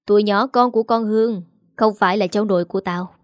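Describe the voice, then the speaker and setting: A woman's voice: mid-range voice, fairly even intonation, quick pace, no room sound, clean studio sound, lightly acted. A woman voicing a harsh, scolding old mother-in-law with a cutting, contemptuous manner.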